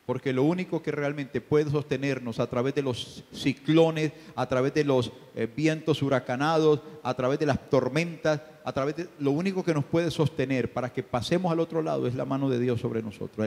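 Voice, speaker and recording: A male pastor preaching a sermon, asking the congregation rhetorical questions, swinging from hushed asides to shouted peaks. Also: mid-range voice, moderate pace, vocal fry, few pauses. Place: church sanctuary. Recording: reverberant church hall.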